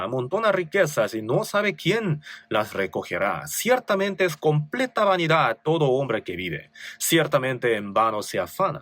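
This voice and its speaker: A man's voice: a little high, a bit bright, dry recording. A male pastor with a Korean accent preaching a sermon, reading scripture with rising emphasis and asking rhetorical questions.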